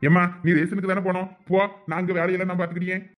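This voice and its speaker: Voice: mid-range voice, flat delivery, rapid-fire, natural voice. A voice actor playing a lazy, henpecked young village husband in a cartoon, impatient, with a Thoothukudi Tamil accent.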